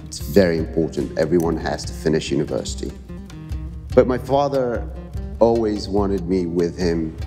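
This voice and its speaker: Interview guest: man, low-pitched, lively storyteller, long reverb, soft music under. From Egypt. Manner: animated, lively anecdotes. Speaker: guest, Egyptologist and director.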